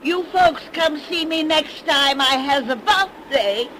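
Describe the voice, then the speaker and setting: A woman's voice: high voice, animated, slow, a bit bright, exaggerated voice. A cackling old witch. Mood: gleeful. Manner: rustic drawl, cackles. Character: cackling old witch storyteller, sly and gleeful. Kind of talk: 1930s radio drama acting. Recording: scratchy 1930s radio recording.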